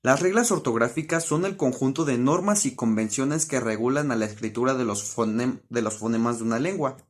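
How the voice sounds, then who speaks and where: A young man giving a study-review explanation of spelling rules, halting, with many fillers and self-corrections. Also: mid-range voice. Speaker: student presenter.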